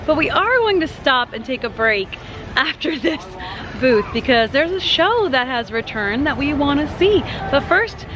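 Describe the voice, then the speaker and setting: A woman giving casual, expressive food reviews and vlog commentary outdoors in a busy theme park. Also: sits high, normal speed. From raised in a Cuban household. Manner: chatty, expressive, rambling descriptions. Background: crowd chatter and music.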